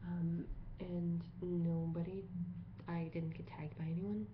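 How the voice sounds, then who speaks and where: A woman whispers with an American accent. She is soft-spoken. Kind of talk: casual talk to camera. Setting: ASMR video, close microphone. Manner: soft-spoken, whispered.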